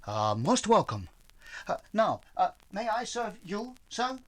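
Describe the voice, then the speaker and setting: Guy doing a polite restaurant owner, high voice that moves up and down a lot, hesitant formal wording, old radio play. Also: big pitch swings, slow, full character voice. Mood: polite, obliging. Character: courteous, obliging male Chinese restaurant owner. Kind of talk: 1940s radio drama acting.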